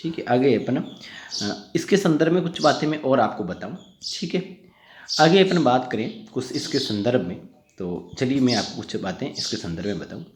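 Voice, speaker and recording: A man's voice: mid-range voice, lively intonation, normal speed. A man teaching a grammar lesson, asking his students questions and answering them himself, often repeating points. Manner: asks and answers his own questions, repetitive. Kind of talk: Hindi grammar lecture. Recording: echoey room, faint noise.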